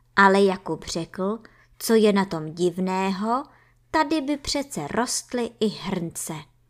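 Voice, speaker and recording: Her pitch is medium and her intonation lively, with a gentle, soothing tone at a very slow pace. The woman is heard on a very clean recording with a silent background. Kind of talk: fairy-tale narration, bedtime story read aloud. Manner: gentle, soothing, storyteller's pace.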